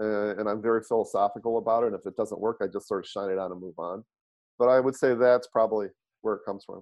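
A man with an American accent, medium pitch, fairly even intonation, big swings in loudness and a very fast pace. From US Midwest (Detroit, Michigan). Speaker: real estate broker and motivational speaker. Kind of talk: interview.

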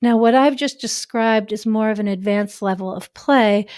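On a very clean recording with a silent background, a woman speaks at a fairly high pitch. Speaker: relationship and intimacy coach, former physician. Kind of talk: interview conversation, coaching advice. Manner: softer, slower voice when evoking tenderness.

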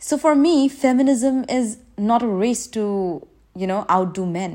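Speaking very slowly with an Indian accent and lively intonation, a woman is heard on a very clean recording with a silent background. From India, remote town. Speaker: podcast host, corporate professional. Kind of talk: personal monologue podcast.

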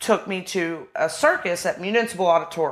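A woman speaks at a fairly slow pace with ordinary pitch variation and a medium pitch. Hers is an unremarkable speaking voice. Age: 30s. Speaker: criminal defense lawyer. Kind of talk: interview conversation. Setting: her law office.

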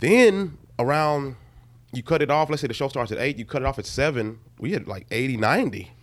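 A man's normal speaking voice in an American accent, fairly high in pitch, fairly quick, with lively intonation, on a very clean recording with a silent background. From US South, Nashville, Tennessee. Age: 30s. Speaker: comedian. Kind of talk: casual interview.

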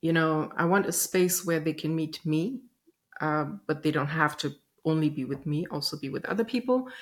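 Speaking with a German accent at a moderate pace, a woman uses a very deep, low pitch and lively intonation in a very clean recording with a silent background. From Germany. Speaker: entrepreneur seeking coaching. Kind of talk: coaching conversation. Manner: hesitant, halting.

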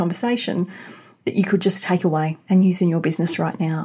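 In an Australian accent, a woman speaks at medium pitch with a dark, mellow tone that is somewhat breathy. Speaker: podcast host. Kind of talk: podcast interview, intro and conversation.

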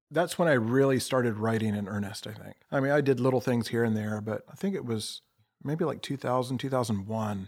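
In a plain, everyday voice, a man talks at a fairly quick pace and medium pitch with ordinary pitch variation on a very clean recording with a silent background. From US South, South Georgia/north Florida line. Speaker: author and playwright. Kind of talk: interview.

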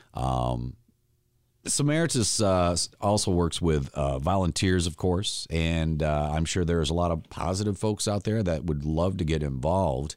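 In a Midwestern US accent, a man speaks with a very deep, low pitch and ordinary pitch variation at a moderate pace. His loudness stays very even, and the recording is very clean with a silent background. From US Midwest. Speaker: radio host. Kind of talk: radio interview. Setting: studio.

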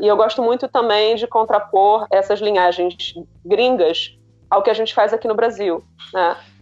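A woman's medium-pitched voice at a moderate pace, very even in loudness, with music in the background. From Rio de Janeiro, Brazil. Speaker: design professor. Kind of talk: casual chat.

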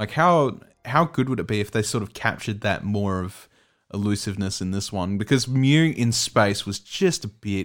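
At a fairly low pitch, a man with an Australian accent speaks with ordinary pitch variation on a very clean recording with a silent background. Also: big swings in loudness. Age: 20s. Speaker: podcast guest. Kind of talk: casual chat.

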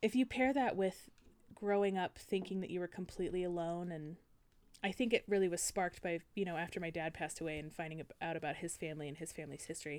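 With an American accent, a woman talks in an ordinary speaking voice at a medium pitch and a fairly quick pace. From US West Coast, San Francisco Bay Area. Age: 20s. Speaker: podcast co-host. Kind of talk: casual chat.

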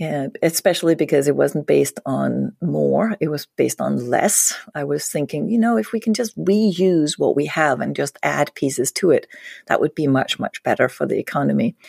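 The speaker, with a Danish accent, hardly pauses at all. The recording is very clean with a silent background and a dry, close sound with no echo. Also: woman, moderate pace. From Denmark. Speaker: keynote speaker and author. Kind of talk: interview.

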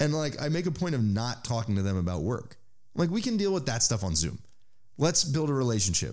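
A man with an American accent at a medium pitch, talking at a fairly quick pace with very wide pitch swings, plus audible room echo. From US, San Francisco Bay Area. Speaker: venture capital investor. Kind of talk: casual interview.

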